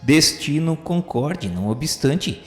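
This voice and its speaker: A man narrating a radio novel in a measured, solemn literary reading. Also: a little high, expressive. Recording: roomy reverberant sound with music bed. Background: music.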